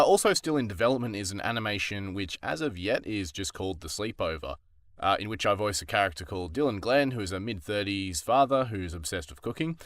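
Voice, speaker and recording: Man, lowish voice, lively intonation, casual channel update, dry close sound. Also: no echo. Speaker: voice actor and channel host. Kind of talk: informal video update to viewers.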